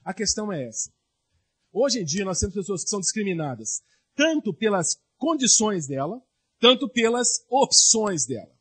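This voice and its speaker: High, animated husky male pastor. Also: normal speed. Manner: rhetorical questions to the congregation. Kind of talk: sermon.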